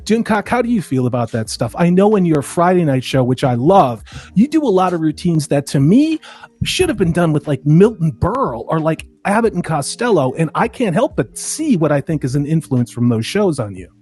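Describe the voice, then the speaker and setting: A man's voice: on the high side, big pitch swings, moderate pace, darkish tone, breathy edge. A man hosting a livestream in casual chat, with an eager, effusive manner. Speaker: livestream host.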